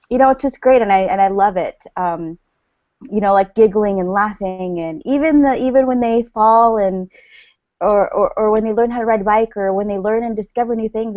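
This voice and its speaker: Bubbly, chatty mom on a video call, dry and muffled lo-fi sound. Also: female voice, medium pitch, a little mellow, dry recording. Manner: bubbly, chatty, full of fillers. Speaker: stay-at-home mother of three. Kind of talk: casual online group chat.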